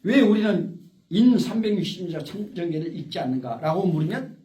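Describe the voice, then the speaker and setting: A man's voice: sits high, expressive, fairly quick, mellow, slight background noise. A man giving an informal, rambling lecture to a small group, often interrupted by the audience. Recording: echoey room, far from the mic.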